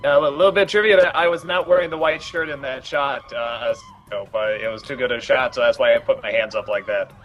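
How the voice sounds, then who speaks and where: A man giving a casual film commentary, talking in a rambling, halting way with many restarts. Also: mid-range voice, steady tone, a bit bright, highs cut off, faint music behind.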